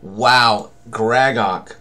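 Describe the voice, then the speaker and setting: An older man, around his sixties, talks through a tabletop game tutorial in a casual way. His voice sits at a middle pitch, and he narrates step by step in short, clipped fragments from his seat at a computer. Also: fairly even intonation, very slow, sharp tone. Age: older, around 60s. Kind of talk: casual tutorial commentary while rolling dice. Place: small room indoors at a computer.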